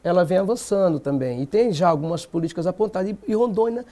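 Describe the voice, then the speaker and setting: Brazilian male activist, high mellow tone, emphatic, fond of rhetorical questions. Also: lively intonation, fast. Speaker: black movement activist guest. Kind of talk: TV panel debate.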